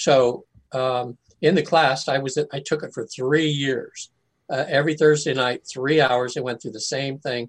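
A somewhat breathy male voice, fairly high in pitch, with fairly even intonation. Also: moderate pace. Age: 70s. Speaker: hypnotherapist. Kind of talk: casual chat. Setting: video call.

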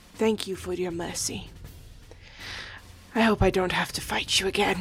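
Clear background noise sits behind a raspy, put-on character voice at a moderate pace. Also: woman, medium pitch for a woman.

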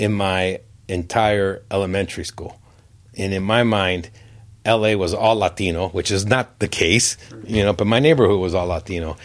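At a moderate pace, a man speaks with a fairly low pitch and ordinary pitch variation over noticeable background noise. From Los Angeles. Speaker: political science professor. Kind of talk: interview. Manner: halting, with frequent repetitions.

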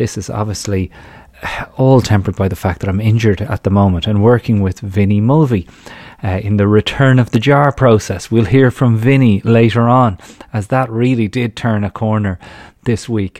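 A man with an Irish accent speaks at a moderate pace in a fairly low pitch. His intonation is fairly even, and the sound is dry and close with no echo. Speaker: podcast host, amateur runner. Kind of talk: casual chat.

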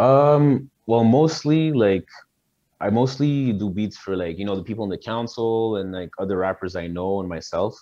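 An unremarkable speaking voice at a moderate pace, lively intonation, and a quiet background. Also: man, medium pitch for a man. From Montreal, Canada. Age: 20s. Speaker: music producer. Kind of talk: casual chat.

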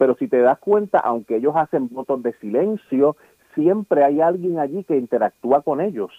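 Using an unremarkable speaking voice, a man talks at a moderate pace, his pitch fairly high and his intonation lively. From Puerto Rico, Ponce. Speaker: counseling psychologist. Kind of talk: radio interview.

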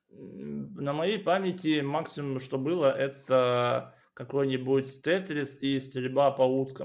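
At a very slow pace but with hardly any pauses, a man speaks at medium pitch with ordinary pitch variation. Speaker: guest, streamer and gamer. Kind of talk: casual conversational chat. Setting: remote call, midnight.

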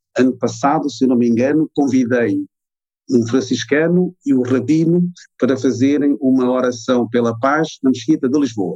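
At a moderate pace, a man with a dark, mellow tone and a medium pitch speaks with ordinary pitch variation and very even loudness. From Mozambique. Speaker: imam. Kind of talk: interview. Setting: library.

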